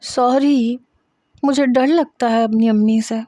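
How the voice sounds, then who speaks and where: A woman's voice: a little high, steady tone, dark tone, no echo, clean studio sound, close to an everyday voice. A woman voicing a frightened, childlike young wife who pleads through tears in a storybook reading. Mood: sobbing. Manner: pleading, crying.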